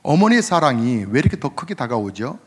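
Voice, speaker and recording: Storytelling Korean pastor in a reverberant hall. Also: male voice, big pitch swings, fairly quick, husky. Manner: conversational, asks the congregation questions, swells in pitch at emotional peaks. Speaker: senior pastor. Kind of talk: sermon with personal storytelling. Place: church sanctuary.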